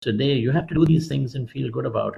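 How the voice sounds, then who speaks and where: His pitch sits in the medium range. The man's voice comes across as somewhat breathy. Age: 60s. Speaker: public health NGO leader. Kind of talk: interview.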